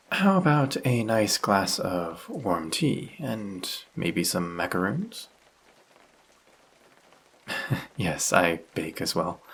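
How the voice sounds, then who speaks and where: Man playing a slow, husky, courteous male vampire. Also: fairly low pitch, heavily acted. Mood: hospitable, caring. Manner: polite, soft-spoken, reassuring, gently teasing. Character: friendly, courteous male vampire, gentle and caring stranger. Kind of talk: slow intimate roleplay audio acting. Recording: rain sound effects behind the voice.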